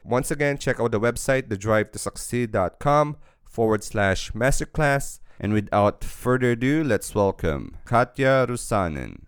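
A man's voice: medium pitch, lively intonation, measured pace, smooth, dry recording, clean studio sound. Upbeat salesy male podcast host. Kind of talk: promotional podcast intro and interview.

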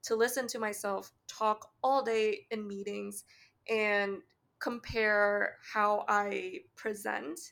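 A woman with a Canadian accent and heavy vocal fry, co-hosting a casual podcast chat with long pauses. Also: mid-range voice, steady tone, fairly bright tone. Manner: long pauses, candid and swearing. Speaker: podcast co-host.

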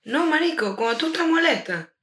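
A woman's voice: high voice, lively intonation, fairly quick, fairly bright tone, roomy sound. A Venezuelan woman in casual podcast chat, talking loosely with plenty of slang and fillers. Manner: chatty, full of slang and fillers.

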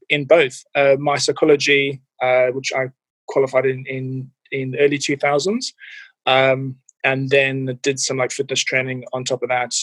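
A man's voice: medium pitch, a bit bright, no room sound, low-quality recording. A man in his forties with a mild, anglicized South African accent, a fitness and mental health coach answering interview questions with lots of ums and restarts. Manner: hesitant, many fillers and restarts.

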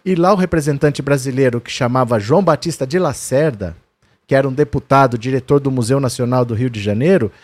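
A man's voice: medium pitch, brisk, a little mellow, no echo. A man with a Brazilian Portuguese accent explains history conversationally and shows documents to the viewer. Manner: quotes historical figures in a raised voice. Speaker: history presenter.

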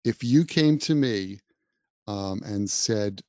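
This man's voice sits on the low side, darkish in tone, slow yet animated. An English teacher, he gives encouraging podcast advice aimed right at the listener, recorded dry with a dull, slightly lo-fi quality.

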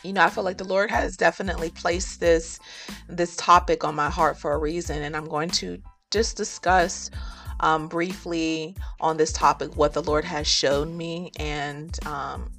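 A woman with a low, gravelly voice teaches the Bible in an earnest, chatty way. She fills her talk with ums and falls into preacherly rhymes. Faint music plays behind her. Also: fairly even intonation, unhurried, a bit bright. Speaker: podcast host and teacher.

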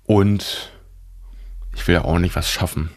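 Young man with a deep, stuffy-nosed voice. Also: steady tone, slow. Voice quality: stuffy, congested nose. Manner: informal German youth slang with English words. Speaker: podcast host. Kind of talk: rambling solo podcast chat.

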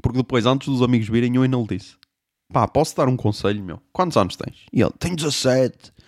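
A young man telling a comic story, animated, swearing and making sound effects. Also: medium pitch, fast, dry recording, studio quality. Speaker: podcast host.

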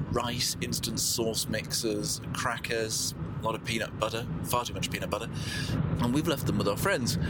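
A man's voice: on the low side, very noisy. English man narrating a travel podcast. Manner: measured, conversational storytelling. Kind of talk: documentary narration and travel diary.

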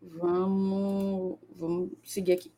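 A woman's voice: fairly low pitch, little pitch movement, takes it slowly, mellow, slight background noise. A woman co-hosting a live sports stream, chatty and playful, reading viewer comments aloud. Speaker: podcast co-host. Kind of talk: casual live-stream chat.

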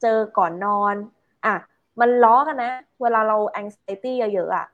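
A woman talks through an idea in a relaxed conversational way. Her voice sits at a middle pitch. She pauses with fillers and drops in English words. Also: highs cut off. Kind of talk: casual explanatory chat.

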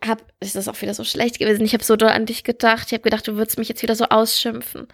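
A woman's voice: a little high, level tone, quick pace, gravelly, husky. A woman co-hosting a podcast, telling stories in a chatty, giggly way. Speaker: podcast co-host. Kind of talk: casual chat.

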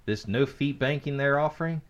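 A podcast co-host jokes sarcastically about tech news in a casual chat. His voice is mid-range and his delivery brisk.

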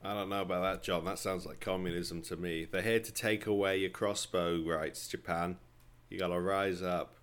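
Deep voiced guy cohosting, sarcastic jokey banter, very low pitch. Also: fairly even intonation, normal speed, a bit bright. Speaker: podcast co-host. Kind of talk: casual news chat.

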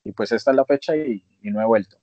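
Young Colombian guy, chatty storyteller, mid-pitched, slightly dull audio. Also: quick pace. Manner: storytelling with lively quoted voices. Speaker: podcast co-host. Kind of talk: casual chat.

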